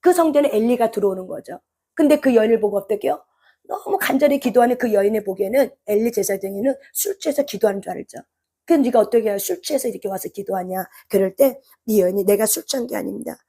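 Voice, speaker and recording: A woman preacher delivers a fervent sermon in a fairly high voice. She keeps putting questions to her listeners. Her voice rises into loud, pleading cries at the height of her words. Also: fast talker, slightly rough. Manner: impassioned, rises to shouted cries when voicing prayer; asks the congregation rhetorical questions.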